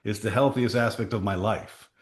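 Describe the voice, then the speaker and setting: A man with a deep, low voice leads a town hall talk as a company chief. He tells anecdotes in short, emphatic bursts. The sound carries a roomy echo. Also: steady tone, normal speed. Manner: emphatic storyteller, punchy short phrases.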